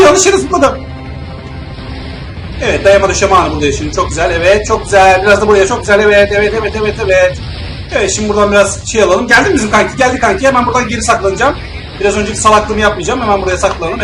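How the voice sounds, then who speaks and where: A young man giving let's play commentary on a video game, swinging between muttered remarks and sudden yelling and swearing at the enemies. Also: sits high, rapid-fire. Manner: excitable, yells and swears at enemies, then mutters calmly. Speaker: gamer playing a video game. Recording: roomy echo with faint game music.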